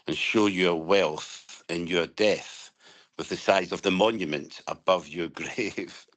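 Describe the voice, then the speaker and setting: A middle-aged man with a Scottish accent and a fairly low voice. He talks in a relaxed, reflective way, telling stories with the odd chuckle. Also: poor audio. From Scotland. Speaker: guest. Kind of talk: relaxed interview conversation.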